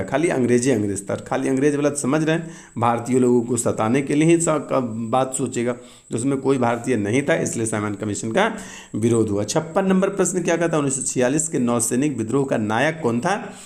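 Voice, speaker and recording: A man's voice: medium pitch, lively intonation, darkish tone. Man explaining exam answers casually. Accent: Bihari Hindi. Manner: explains quickly and casually, often adds asides. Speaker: teacher.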